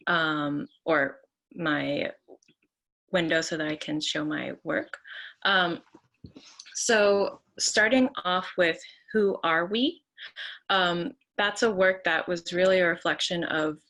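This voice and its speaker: Young woman artist, bright voice, relaxed video-call presenter who pauses and fills often. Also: deep voice. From New York (Queens). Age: young adult. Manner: casual, many fillers and soft trailing asides. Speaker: artist presenting her work. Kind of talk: online artist talk. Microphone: computer mic on a video call.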